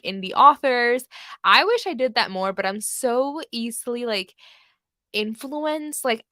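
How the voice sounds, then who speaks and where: A woman's voice: on the high side, pushed and bright, no echo, clean studio sound. A young woman hosting a book livestream, chatting casually with lots of fillers and small laughs. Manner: chatty, lots of likes and ums, laughs often.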